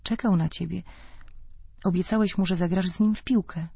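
A reader voicing a hurt American wife who holds back her anger and speaks in terse, carefully measured words, heard in a slightly dull, dry recording. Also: medium pitch, steady tone, gravelly, breathy edge, dry recording. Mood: restrained.

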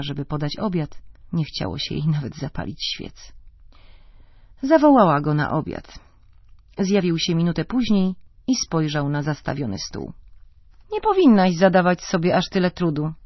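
Creaky, husky audiobook narrator. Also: mid-range voice, no echo. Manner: calm, even storytelling. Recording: slightly dull, dry recording.

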